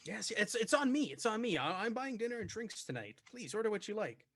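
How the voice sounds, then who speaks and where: Guy putting on a fancy white-suit gent, high voice bouncing all over, super eager to please. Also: sing-song, fairly quick, fairly bright tone, full character voice. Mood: generous. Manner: effusive, repeating welcomes. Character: polished man in white suit, eager gracious host.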